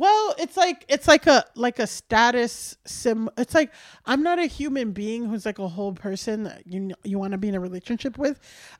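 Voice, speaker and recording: In a very clean recording with a silent background, a woman with an unremarkable speaking voice talks at a moderate pace in a fairly high pitch, her intonation lively and hardly any pauses between words. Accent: American. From Miami, Florida. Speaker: stand-up comedian. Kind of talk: casual chat.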